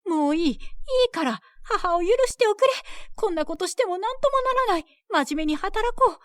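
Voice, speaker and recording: A woman voicing a soft-hearted, worried old village mother who frets and scolds tenderly. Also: very high voice, expressive, brisk, no room sound, studio quality. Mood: pleading. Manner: fretful, scolding yet tender.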